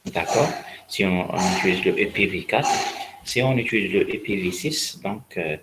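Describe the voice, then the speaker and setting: A man lecturing on a technical subject in a halting, didactic way, repeating key points for emphasis. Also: low voice, heavy background noise. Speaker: networking lecturer. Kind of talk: spoken university lecture.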